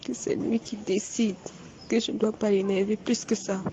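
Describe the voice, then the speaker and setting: A young adult woman giving a personal testimony, recounting events in a halting, repetitive, shaken way. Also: mid-range voice, little pitch movement. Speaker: witness recounting an assault. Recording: dull lo-fi recording with faint background noise.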